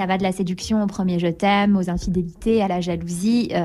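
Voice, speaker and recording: With fairly even intonation, a woman speaks in a dark, mellow tone. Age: 20s. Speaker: author and former book editor. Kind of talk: recorded interview.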